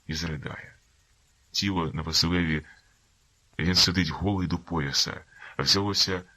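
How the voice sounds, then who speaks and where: Very deep-voiced male audiobook narrator. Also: pushed and bright, no echo. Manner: measured, dramatic reading. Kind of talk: dramatic literary narration.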